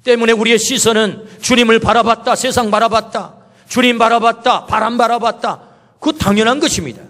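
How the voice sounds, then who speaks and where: High-voiced preaching pastor in echoing church. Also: male voice, a little fast, fairly bright tone. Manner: preaching with rhetorical questions and quoted speech of Jesus. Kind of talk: sermon. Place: church sanctuary. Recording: reverberant church hall.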